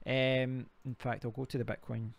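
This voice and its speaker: A man's voice: mid-range voice, level tone, moderate pace, gravelly. A Scottish man hosting a casual live stream, rambling and talking to himself while clicking through sites. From Scotland. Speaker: crypto livestream host.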